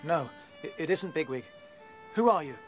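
A man playing a considerate, steady young rabbit leader in a radio drama. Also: a little high, normal speed, faint music behind, lightly acted. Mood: firm, concerned.

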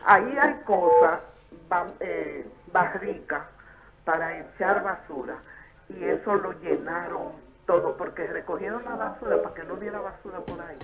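A woman calling in to a talk show by phone, telling a rambling eyewitness account that gets loud at times. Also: lowish voice, moderate pace, vocal fry. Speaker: caller. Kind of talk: phone-in call. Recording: muffled phone-line call.

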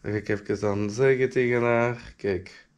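A man's voice: mid-range voice, fairly even intonation, moderate pace, dull audio. A man chatting playfully in a home vlog at night while he has a cold, now and then breaking into snatches of song. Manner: playful, sings snatches of songs. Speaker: vlogger. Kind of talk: casual vlog chat.

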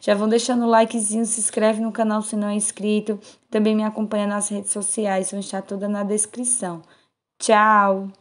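A woman with a Pernambuco accent hosting a fashion wholesale channel, giving a slow, sing-song sales pitch over a product showcase. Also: completely flat delivery. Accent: Pernambuco Portuguese. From Brazil.

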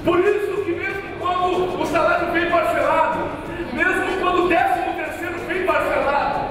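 A man in his forties orates from a podium in a big council chamber, rousing and rhetorical, hammering home repeated phrases. His voice sits very high, and it carries through a strongly echoing room. He is picked up from a distance, with a crowd audible behind him. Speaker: city councillor speaking at a session. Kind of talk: formal speech at a podium. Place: large council chamber, indoors. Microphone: podium microphone heard from afar. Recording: echoey chamber from far off with crowd.

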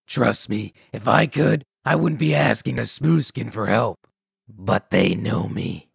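A man voicing a weary, bitter, self-deprecating ghoul scavenger in a video game, raspy and gravelly, with grudging, halting delivery. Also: on the low side, no echo, clean studio sound, heavily acted. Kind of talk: video game dialogue acting.

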